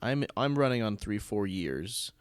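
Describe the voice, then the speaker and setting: A man's voice: lowish voice, expressive, unhurried, clean tone, no room sound. A man speaking as a guest in a casual, conversational podcast. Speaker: podcast guest, stage actor.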